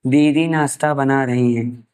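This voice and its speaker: A young Indian man with an Indian accent leads an online grammar lesson. He talks at a slow, unhurried pace and in a mid-range voice, dictating example sentences one word at a time. His explanations mix English terms into Hindi. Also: medium pitch, steady tone, darkish tone, clean tone, poor audio.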